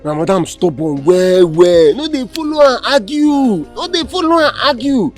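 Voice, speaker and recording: A man's voice: very high-pitched, big pitch swings, moderate pace, soft background music. A man speaking Nigerian Pidgin, playing a nervous gateman caught between an angry driver and his employer.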